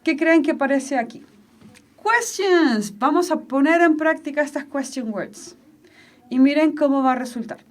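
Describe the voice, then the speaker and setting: A woman teacher with a Chilean Spanish accent giving an online English class, slow and patient, repeating each word for the students. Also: high-pitched.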